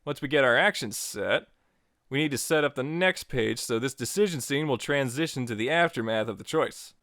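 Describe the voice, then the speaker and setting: A man's voice: medium pitch, lively intonation, normal speed, fairly bright tone, dry recording, studio quality. A man narrating a scripted but casual tutorial as its host, with playful, joking asides.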